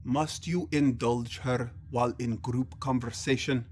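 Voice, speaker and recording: A man playing a commanding alien elder and father in a scripted audio drama, speaking formally and deliberately. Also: mid-range voice, steady tone, darkish tone, a little hiss or hum, lightly acted. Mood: stern.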